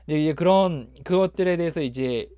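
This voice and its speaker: A man giving a personal testimony on recovery, speaking haltingly with many fillers and restarts. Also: fairly high pitch, mellow, clear, resonant tone, dry recording.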